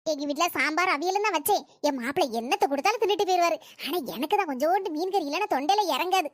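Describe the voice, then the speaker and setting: A high-pitched cartoon neighbor woman, voiced by a woman, rattling off the street's gossip at speed. She is sly and eager to tell every detail. The voice sits close and dry. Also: racing, no room sound. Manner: breathless storytelling gossip. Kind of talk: cartoon comedy voice acting.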